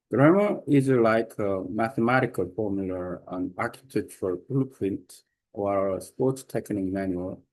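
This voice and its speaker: Halting low-voiced man teaching a language lesson. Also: warm tone, low-quality recording. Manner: halting non-native English with fillers and throat clearing. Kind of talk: screen-share lesson, reading AI text aloud. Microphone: computer mic on a video call.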